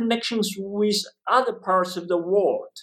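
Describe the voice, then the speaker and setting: He speaks with a Chinese accent. His pace is fairly slow. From eastern China. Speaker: history professor. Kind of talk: interview. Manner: halting, with repetitions.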